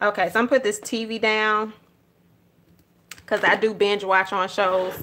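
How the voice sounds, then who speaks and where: A woman with a Georgia accent talks at a fairly slow pace in a monotone, flat intonation. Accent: Georgia Southern. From Georgia, US (east side). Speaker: planner and journaling vlogger. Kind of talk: casual live-stream chat while planning. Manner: casual, conversational.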